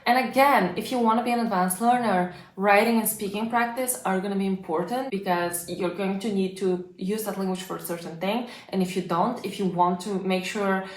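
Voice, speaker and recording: A woman's voice: medium pitch, normal speed, hardly any pauses. Give me a chatty young woman whose first language is Bulgarian, coaching casually in an echoey room. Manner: chatty, lots of fillers like "like" and "you know". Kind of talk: casual advice lesson to camera.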